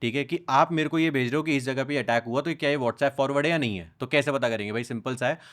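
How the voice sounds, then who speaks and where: Animated young man telling stories. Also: mid-range voice, quick pace. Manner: animated storytelling, mixing Hindi and English. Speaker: podcast guest, content creator. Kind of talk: casual podcast conversation.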